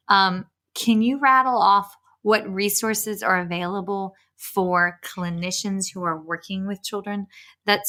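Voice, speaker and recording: A woman with a bright voice at an average pitch hosts a casual podcast interview. She asks chatty questions and talks about herself in a self-deprecating way. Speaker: podcast host.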